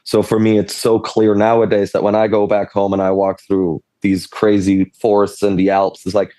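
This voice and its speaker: A man's voice: fairly low pitch, monotone, normal speed, mellow, no echo. A man from Switzerland, talking on a panel in a rambling way, often stopping himself and laughing. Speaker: panelist, game designer. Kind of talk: casual panel discussion.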